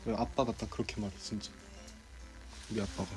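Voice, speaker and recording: A young man from South Korea chatting casually on a livestream, talking slowly and unhurriedly. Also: on the low side, level tone, music in the background. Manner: drawling, unhurried. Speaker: idol livestream host.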